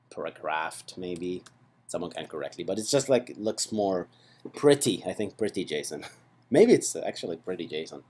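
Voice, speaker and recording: A man walking through code in a relaxed screen-recorded lesson. His pitch rises and falls a lot as he talks, and his tone is mellow and dark. He chats along playfully and keeps checking in with the viewer. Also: a little hiss or hum. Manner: chatty and playful, with frequent "right?" and "okay" asides. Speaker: programming instructor. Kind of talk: casual screen-recorded coding tutorial.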